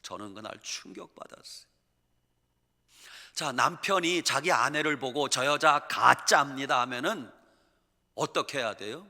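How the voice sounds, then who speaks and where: A man's voice: medium pitch, expressive, unhurried, long pauses, sharp tone. A male pastor preaching a sermon in a church, emphatic and vivid, acting out the stories he tells. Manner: emphatic preaching, acts out quotes and animals. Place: church sanctuary. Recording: reverberant church hall.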